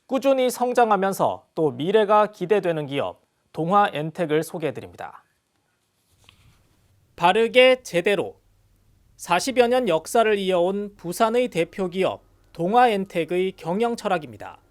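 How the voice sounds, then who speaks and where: Scripted news report narrator with mid-range pitch. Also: sing-song, normal speed.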